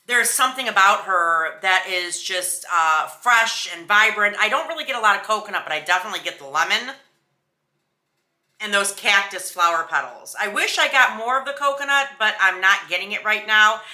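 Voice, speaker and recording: A woman's voice: mid-range voice, animated, moderate pace, bright, forceful tone. A woman giving a casual, chatty beauty product review in a sassy, emphatic, slangy way. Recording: roomy indoor echo.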